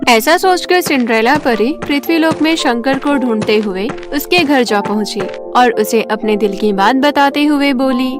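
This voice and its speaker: High-voiced woman storyteller over music. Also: normal speed, hardly any pauses. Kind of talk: scripted children's story narration.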